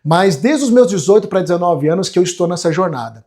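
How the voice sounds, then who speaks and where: A man's voice: high-pitched, animated, quick pace, darkish tone. A Brazilian man in his forties giving a motivational online class as a coach, speaking earnestly and emphatically and often checking for agreement. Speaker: self-development coach hosting an online class. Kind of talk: motivational live lecture to viewers.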